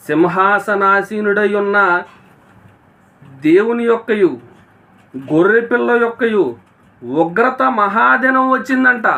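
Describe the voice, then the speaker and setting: A man delivering a sermon in a high voice with a bright, forceful edge. He speaks to his listeners directly and keeps asking them rhetorical questions. His delivery is earnest and steady. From India. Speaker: preacher.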